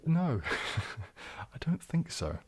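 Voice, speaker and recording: A young man hosting a casual livestream Q&A, soft-spoken and often slipping into a whisper. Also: on the high side, very animated, very slow, a little hiss or hum. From New Zealand. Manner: soft-spoken, drifting into whispers, frequent restarts. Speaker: ASMR livestream host.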